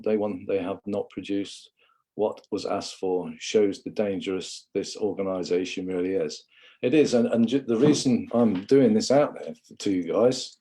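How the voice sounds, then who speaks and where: A man's voice: lowish voice, warm tone, slightly rough. A man from England giving a rambling, impassioned livestream monologue, often calling viewers "guys".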